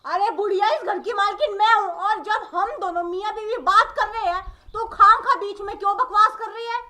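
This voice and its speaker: A cheeky new bride in a cartoon trades barbs with her mother-in-law in a very high, bright voice, voiced by a woman. She is combative and quick to talk back. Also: fairly even intonation. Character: sharp-tongued new bride.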